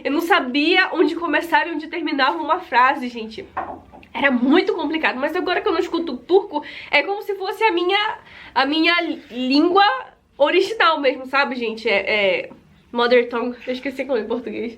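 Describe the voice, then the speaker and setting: High-voiced chatty young woman vlogger. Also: fairly quick, fairly bright tone. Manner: chatty, repeats "gente" often. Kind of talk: casual chat to camera.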